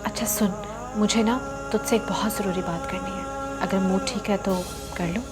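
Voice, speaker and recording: A woman's voice: mid-range voice, normal speed, lightly acted. Girl playing a stubborn young woman, chatty, music in the background. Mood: playful. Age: young adult. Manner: playful, headstrong. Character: unmarried young woman, stubborn about marriage. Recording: music under dialogue.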